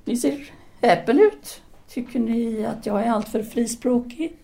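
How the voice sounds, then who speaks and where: A woman's voice: a little high, creaky, mellow. An actress playing a self-assured, seductive intellectual woman, a didactic and teasing free thinker in an audio drama. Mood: teasing, frank.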